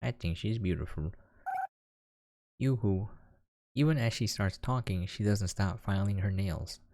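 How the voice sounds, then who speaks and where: A man's voice: lowish voice, a little slow, noisy background. A man giving casual, musing gameplay commentary and reading visual novel text aloud. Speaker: game preview commentator.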